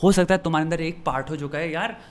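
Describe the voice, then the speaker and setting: A young Indian man with a slightly higher voice than most men, chatting in a friendly, conversational way. He slips English phrases into his Hindi and speaks to the listener like a friend. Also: fast. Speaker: YouTube commentator. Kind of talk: casual talk to camera, reading comments aloud.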